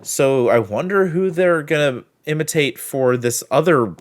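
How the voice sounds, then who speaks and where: A man with a chatty, expressive manner hosting a reaction video and giving casual commentary and review. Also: fairly high pitch, measured pace.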